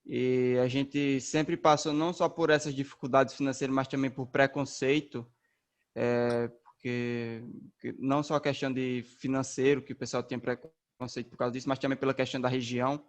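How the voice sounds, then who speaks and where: A young man from northeastern Brazil, a racing driver, answering interview questions in a relaxed, slangy way with many fillers. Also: medium pitch, normal speed. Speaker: race car driver, interview guest.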